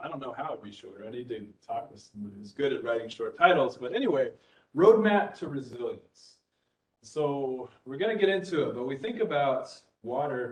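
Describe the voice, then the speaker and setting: With audible room echo, a man talks at a fairly quick pace and fairly high pitch, his pitch swinging very widely and his loudness shifting a lot. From Kentucky. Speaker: university professor and water engineer. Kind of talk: conference presentation. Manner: casual, conversational.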